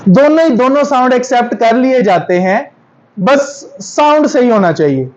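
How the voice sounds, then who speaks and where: A male English pronunciation teacher, correcting students and repeating words slowly to drill stress in a classroom. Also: extremely high pitch, expressive, darkish tone, highs cut off, a little hiss or hum. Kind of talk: classroom lesson.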